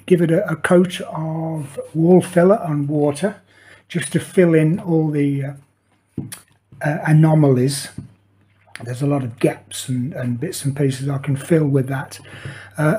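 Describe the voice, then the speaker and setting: Slow, husky older man. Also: on the high side, warm tone. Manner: hesitant, many fillers and restarts. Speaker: model maker demonstrating. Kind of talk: hobby tutorial, casual talk while working. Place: indoor workshop table.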